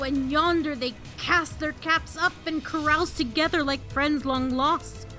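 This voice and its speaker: High-voiced, betrayed Antony played by a woman. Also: a bit bright. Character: proud betrayed Roman general Antony, passionate and bitter. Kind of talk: Shakespearean audio drama acting.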